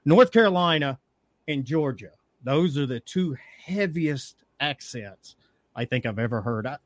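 This Tennessee-born man in his forties hosts a podcast in a relaxed, conversational way, chuckling through lively anecdotes. He talks a little slowly at a medium pitch, and the recording sounds dry.

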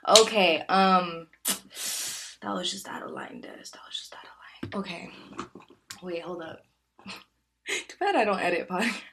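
A woman's voice: lowish voice, huge pitch swings, unhurried, long pauses, sharp tone. Casting: woman, early twenties, candid solo podcast host, loose slangy delivery with frequent fillers and laughter. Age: 20s. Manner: chatty, candid, laughs often, many fillers. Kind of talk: casual solo podcast chat.

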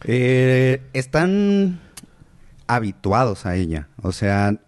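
A man's voice: mid-range voice, sing-song, drawn-out words, darkish tone, clear, resonant tone. A man with a Sinaloan Mexican accent, a comedian guest on a podcast, giving brief dry replies. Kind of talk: casual podcast chat.

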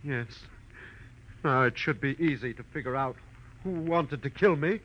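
An actor playing an anxious, excitable, defensive inventor in a 1940s radio detective drama, agitated and exclaiming. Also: male voice, medium pitch, unhurried, close to an everyday voice. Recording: muffled, noisy vintage radio recording.

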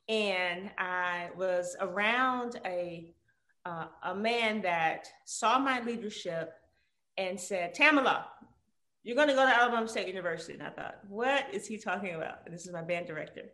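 A woman from Detroit, a guest telling her life story in a casual interview, with animated quoted voices. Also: mid-range voice. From Detroit, USA. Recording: roomy echo.

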